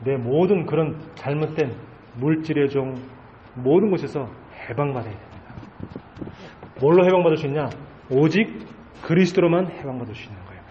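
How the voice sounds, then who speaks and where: High, lively-voiced male pastor preaching. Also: fairly quick, lo-fi sound, slight background noise. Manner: emphatic, many rhetorical questions. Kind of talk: Sunday sermon.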